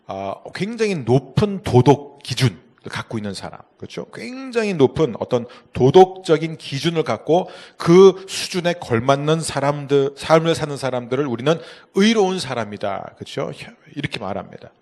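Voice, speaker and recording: A male pastor preaching a sermon, swinging between loud emphatic calls and soft, hushed asides. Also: fairly high pitch, very animated, moderate pace, hardly any pauses.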